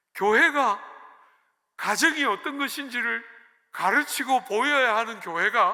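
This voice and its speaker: A man speaks in a raised, projected voice with an extremely high pitch, a bright, sharp tone, lively intonation and a Gyeongsang accent. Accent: Gyeongsang dialect, rough. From Gyeongsang region, South Korea. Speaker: pastor. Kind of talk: sermon.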